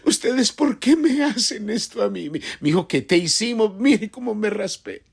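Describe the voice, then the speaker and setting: A man's voice: high voice, animated, normal speed, vocal fry, slightly rough, pitched above the performer's own voice, full character voice. A man putting on a whiny hurt child. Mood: whining. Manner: whining, plaintive repeated questions. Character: whiny scraped young child, complaining to parents.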